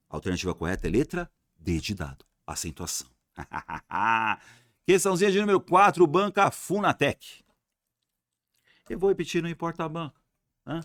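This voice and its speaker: A man's voice: a little high, a bit bright, dry recording, studio quality. A Brazilian man teaching Portuguese grammar for exams in a casual, colloquial way. He repeats key words to drill them and asks his students questions, then answers them himself. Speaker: Portuguese teacher for exam prep. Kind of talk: online grammar lesson.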